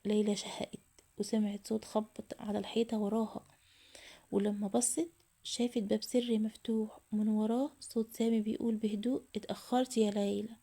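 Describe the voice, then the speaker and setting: A woman with an Egyptian accent narrating a scripted horror story in an even, measured way. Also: medium pitch, slightly rough. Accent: Egyptian Arabic.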